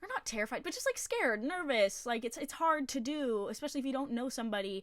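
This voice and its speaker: A loud, animated woman with an American accent, high-pitched, very fast, and full of lively intonation. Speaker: podcast host. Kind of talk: casual chat.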